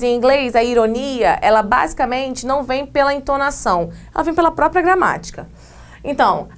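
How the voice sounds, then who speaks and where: A woman English teacher with a Brazilian Portuguese accent, giving a video grammar lesson with lively explanations and playful asides. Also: sits high.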